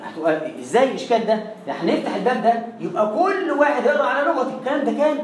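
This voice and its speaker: A Quran recitation teacher with an Egyptian accent, giving a classroom lesson and slowly reciting example words again and again to demonstrate. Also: mid-range voice, expressive, a crowd in the background. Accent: Egyptian Arabic. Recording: echoey room, voice far from the mic.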